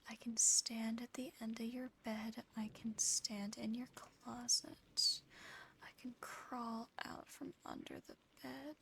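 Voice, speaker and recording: A woman's voice: fairly high pitch, full character voice. A woman voicing a seductive, possessive female demon in a whispered ASMR roleplay, close to the microphone, with a teasing, smug delivery. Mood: teasing, menacing. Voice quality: soft, breathy whisper. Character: seductive, possessive female sleep-paralysis demon admiring a human.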